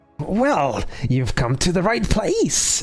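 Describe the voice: In a put-on character voice at a middle pitch, the speaker swings wildly up and down in pitch while faint music plays in the background.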